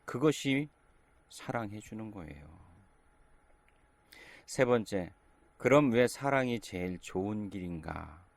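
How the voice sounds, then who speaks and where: Middle-aged pastor, calm conversational sermon, deep voice, dry close sound. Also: male voice, takes it slowly, gravelly, long pauses, dry recording. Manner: gentle, conversational preaching in short phrases.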